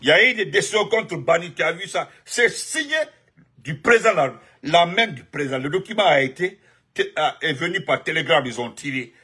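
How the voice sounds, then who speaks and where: A man from Guinea delivers rambling live political commentary, speaking emphatically, repeating himself, and jumping between topics and greetings to viewers by name. His voice is on the high side, husky, bright, and forceful, animated and a little fast.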